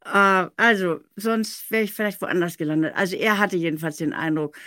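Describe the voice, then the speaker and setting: An older woman telling anecdotes in a casual, animated interview chat. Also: fairly low pitch, normal speed, no echo, clean studio sound. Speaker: interview guest.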